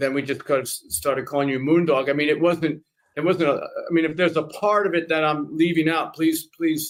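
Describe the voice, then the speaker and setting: A man speaks in a New York accent. His intonation is fairly even. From Long Island, New York. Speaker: creative director. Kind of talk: casual chat. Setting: live stream.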